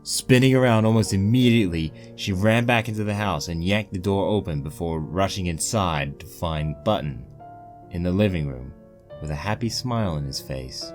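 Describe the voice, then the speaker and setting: A man's voice: low voice, darkish tone. A man reading a scripted story as its narrator. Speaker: narrator of a fan fiction reading.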